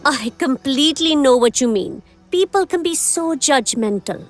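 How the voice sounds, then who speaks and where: Perky, high-voiced young mercenary. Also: female voice, animated, moderate pace, faint music behind. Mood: sympathetic. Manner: emphatic, bubbly, chummy. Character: perky, chummy, earnest young woman mercenary. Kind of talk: video game character acting.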